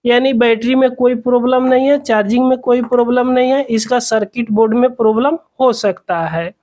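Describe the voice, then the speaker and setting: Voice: mid-range voice, fairly even intonation, a little fast, darkish tone. A person explaining a repair step by step in an instructional, repetitive way, as the host of a tutorial.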